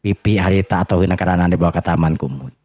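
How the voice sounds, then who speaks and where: A man's voice: low voice, very fast, darkish tone, slightly rough, dry recording. A man with a Sundanese accent telling a story in a dramatic bedtime-tale style. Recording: muffled, lo-fi recording.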